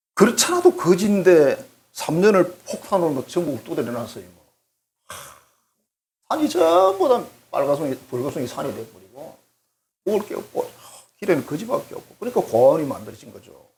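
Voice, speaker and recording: A man talks at a moderate pace with a high pitch and very wide pitch swings. His loudness swings greatly, and he leaves long, frequent pauses. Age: 70s. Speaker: senior pastor. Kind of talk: sermon. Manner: animated.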